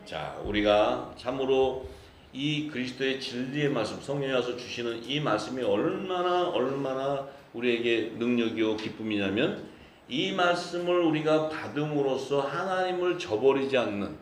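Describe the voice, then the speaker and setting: A pastor from Busan preaches jovially, laughing and reading scripture, in an echoey church hall as the congregation answers "amen." His mid-range voice has lively intonation at a moderate pace, with slight background noise.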